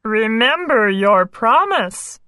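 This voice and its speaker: A woman voicing a small, eager male frog in a storybook reading, with a high, squeaky, pleading voice. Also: expressive, drawn-out words, bright, forceful tone, no room sound, full character voice. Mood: contented.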